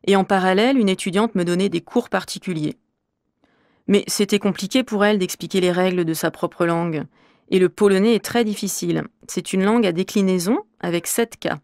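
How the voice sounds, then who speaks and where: A woman from Normandy answering interview questions in a scripted, measured way. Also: mid-range voice, darkish tone, no room sound, clean studio sound. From Normandy, France. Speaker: interviewee in a listening exercise.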